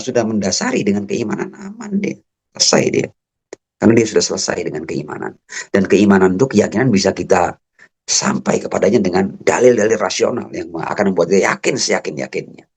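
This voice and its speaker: A man giving a public religious lecture. He quotes Arabic verses slowly, then explains them, swinging between high emphatic peaks and low, slow explanations. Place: lecture hall.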